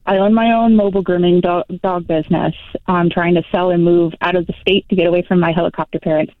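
A woman in her twenties from Florida, calling in over the phone and speaking in a hesitant, halting way. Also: fairly low pitch, fairly even intonation, dry recording. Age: 20s. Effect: over the phone line. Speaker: caller. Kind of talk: call-in advice talk. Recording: tinny dry phone line.

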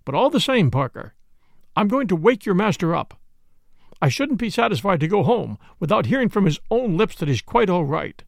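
A man voicing an urgent, brusque and uneasy doctor in an audiobook, sharp and insistent in manner. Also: high voice, very animated, moderate pace, gravelly, dry recording, studio quality, heavily acted. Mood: determined. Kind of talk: audiobook character dialogue.

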